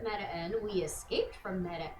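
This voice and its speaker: A woman's voice: fairly low pitch, normal speed, echoey room, recorded from a distance, crowd noise. A woman player in a live tabletop role-play, talking in character in a chatty way with stumbling restarts.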